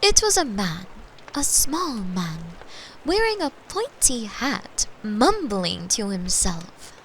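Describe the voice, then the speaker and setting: Slow, softly spoken woman telling bedtime stories. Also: medium pitch, big pitch swings, slight background noise, rough recording. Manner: gentle, partly whispered. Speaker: audio roleplay performer playing a caring girlfriend. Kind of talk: soft bedtime storytelling roleplay, ASMR.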